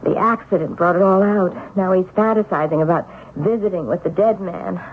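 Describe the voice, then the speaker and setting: A woman's voice: lowish voice, normal speed, breathy edge. An actress in a 1970s radio drama playing an anxious wife, earnest and reassuring with her injured husband. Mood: concerned. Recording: narrow-band old radio recording, faint noise.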